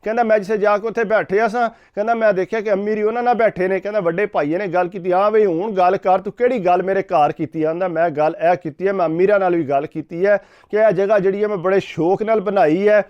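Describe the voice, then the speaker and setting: A man retells a story for his vlog, framing every line with "he said". His voice sits high and rolls on quickly, smooth and clear. The recording is dull and lo-fi. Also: steady tone. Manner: rapid retelling, every sentence framed with "he said". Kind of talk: casual storytelling to camera.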